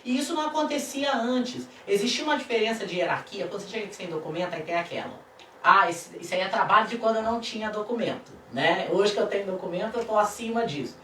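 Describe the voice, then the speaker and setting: A woman's voice: mid-range voice, fast talker. A woman with a Brazilian accent giving her opinions emphatically on a talk show, dropping in the odd English word. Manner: emphatic, animated, mixes in English words. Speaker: guest immigration lawyer. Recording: echoey room, distant mic, background noise.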